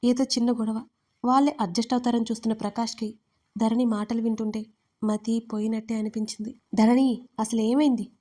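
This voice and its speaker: Woman narrator, higher voice, steady monotone audiobook reading. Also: a little fast. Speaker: storyteller, channel host.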